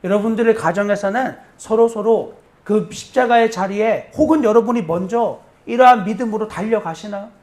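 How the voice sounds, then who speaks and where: A man's voice: high voice, moderate pace, few pauses. A man in his thirties preaching a sermon in a church, telling a family story with quoted lines and asking the congregation direct questions. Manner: lively storytelling, acting out children's and his own quoted lines. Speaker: pastor.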